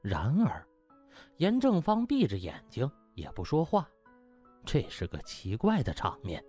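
A man narrating a comic web novel as an audiobook in a lively storytelling style. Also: mid-range voice, a little slow, breathy edge, soft background music.

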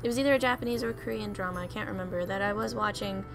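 A woman's voice: mid-range voice, rapid-fire. A young woman hosting a let's play, rambling casually and laughing at herself as she clicks through game menus. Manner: chatty, giggly, self-deprecating. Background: soft background music.

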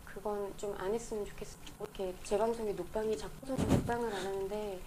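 A woman's voice: mid-range voice, fairly even intonation, dark tone, slight background noise, poor audio. A young woman streaming live, breezily thanking viewers for their gifts as she chats. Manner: breezy, brisk thank-yous. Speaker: streamer in an archived clip. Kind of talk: live stream chat, reading donation thanks.

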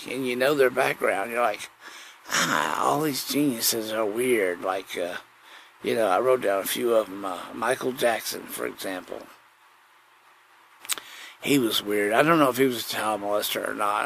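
A man rambling casually through a solo podcast monologue, halting and digressive, often repeating himself. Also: medium pitch, a bit bright. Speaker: podcast host. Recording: clearly noisy background.

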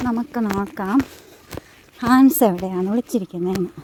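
A woman's voice: mid-range voice, moderate pace, a little mellow, slight background noise. A middle-aged woman from Kerala, India, narrating a casual family vlog in a chatty way, talking straight to her viewers as she walks home. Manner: chatty, addresses viewers directly with tag questions. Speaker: family vlogger. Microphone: handheld phone.

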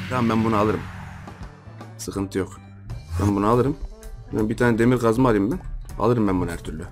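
A man's voice: lowish voice, animated, moderate pace, pauses often, faint music behind. A young man with a Turkish accent giving playful, teasing live commentary over his own gameplay, often repeating his phrases. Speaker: gaming YouTuber.

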